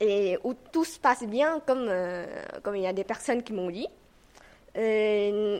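The speaker has a Vietnamese accent. The delivery comes at a fairly slow pace. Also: woman. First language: Vietnamese (speaking French). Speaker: baptism candidate. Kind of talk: testimony. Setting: church.

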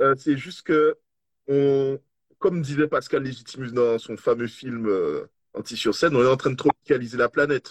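In a dry, close sound with no echo, a man of medium pitch speaks at a moderate pace with fairly even intonation and long, frequent pauses. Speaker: film critic. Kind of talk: interview.

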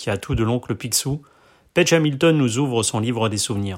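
The speech comes very fast with ordinary pitch variation, on a very clean recording with a silent background. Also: man. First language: French. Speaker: interviewer. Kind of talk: interview; scripted narration. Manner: halting.

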